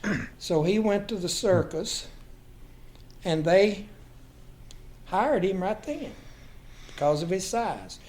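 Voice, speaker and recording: An older man with a slightly high-set voice tells folksy stories. He takes his time, breaking the tale into short phrases with pauses between them. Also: expressive, darkish tone. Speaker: guest storyteller. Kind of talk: folksy anecdotal storytelling.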